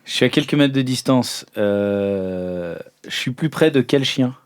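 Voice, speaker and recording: A woman's voice: extremely low pitch, lively intonation, a little slow, clean tone. A woman chatting casually and jokingly as a player in a tabletop role-play game.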